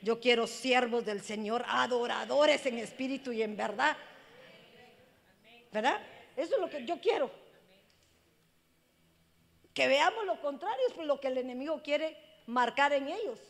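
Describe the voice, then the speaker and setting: A woman pastor, preaching a sermon with impassioned swings between loud cries and hushed speech. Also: high voice, animated, unhurried, creaky, long pauses. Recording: long hall reverb.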